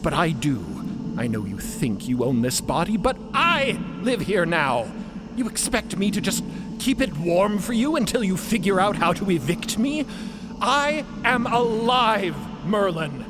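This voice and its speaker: Earnest man, slow and expressive. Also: high-pitched. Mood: defiant. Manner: clear, assured, deliberate. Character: earnest, newly self-aware man asserting his own life. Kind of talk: audio drama acting. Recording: noisy ambient sound bed behind voice.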